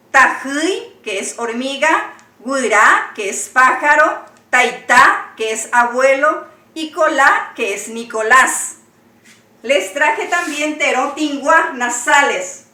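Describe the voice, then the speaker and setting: A woman's voice: high voice, pushed and bright, echoey room. A woman teaching a language lesson, patiently spelling words out letter by letter and explaining each one.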